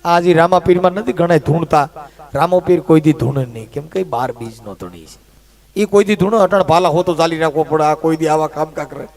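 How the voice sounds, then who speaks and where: A middle-aged storyteller with a fairly high pitch. He talks in a chatty, earthy way and acts out the characters as he goes. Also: a little fast, darkish tone. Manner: rustic, chatty, acts out quoted voices. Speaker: folk humorist. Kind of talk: folk storytelling with comic asides.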